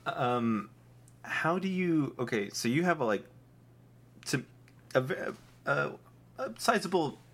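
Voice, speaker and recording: A man's voice: on the high side, lively intonation, takes it slowly, pauses often. A male podcast host asking questions in a joking, teasing way. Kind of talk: casual podcast chat.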